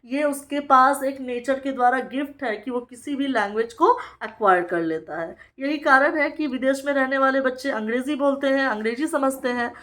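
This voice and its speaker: ऊँची आवाज़ वाली शिक्षिका, धीमी व्याख्या. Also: female voice, sits high, fairly bright tone. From Bihar, India. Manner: reads English lines slowly, then explains in Hindi; frequent "ठीक है" check-ins with the listener. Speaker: Montessori teacher trainer. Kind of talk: explanatory lecture.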